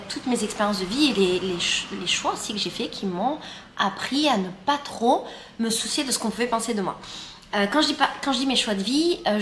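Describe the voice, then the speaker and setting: A woman's voice: medium pitch, fairly bright tone, a little hiss or hum. A woman in her thirties from France, chatting casually in a vlog while eating breakfast. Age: 30s. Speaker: YouTuber and guide. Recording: roomy sound with faint ambience.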